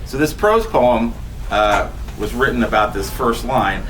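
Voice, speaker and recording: A man's voice: mid-range voice, measured pace, a bit bright. A man reading his poems at a bookstore event, chatting between them with many ums and self-deprecating laughs. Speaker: poet reading his work. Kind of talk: live poetry reading with casual asides. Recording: distant camera audio with room noise.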